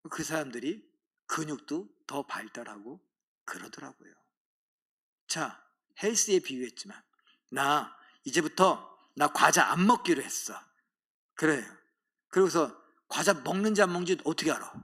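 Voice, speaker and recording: Middle-aged pastor preaching in church, acts out little voices, kinda high-pitched guy. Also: normal speed, breathy edge. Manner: animated storytelling, mimics voices in quotes. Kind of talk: sermon. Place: church sanctuary.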